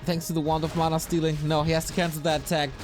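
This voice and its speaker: A man casting an esports match play by play, his voice a little raspy, breaking into quick bursts of excitement at big plays. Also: fairly high pitch. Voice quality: slightly raspy. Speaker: esports caster. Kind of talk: play-by-play game commentary. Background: game music.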